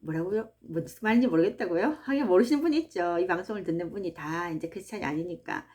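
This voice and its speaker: A woman, hosting a book-reading channel and talking in a chatty, animated way about faith and daily life, speaking straight to her listeners from a small farm hut. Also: lowish voice, quick pace. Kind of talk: casual devotional talk to listeners.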